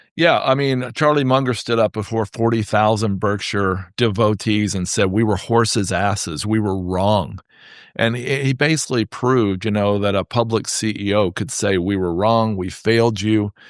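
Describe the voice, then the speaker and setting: A man with an ordinary speaking voice talks at a fairly low pitch, with ordinary pitch variation and hardly any pauses. The background is quiet. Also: moderate pace. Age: 60s. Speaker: real estate investor. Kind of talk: podcast interview.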